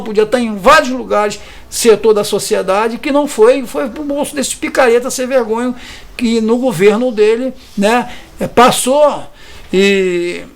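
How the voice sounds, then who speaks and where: High-voiced Rio man in his fifties. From Brazil. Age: 50s. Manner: impassioned, indignant, tag questions; hesitant restarts. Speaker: community resident interviewed about evictions. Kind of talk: earnest interview testimony.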